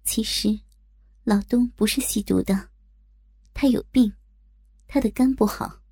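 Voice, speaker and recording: Husky, gravelly woman storyteller. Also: a little high, fairly even intonation, measured pace, warm tone, no room sound, clean studio sound. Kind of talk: first-person story narration.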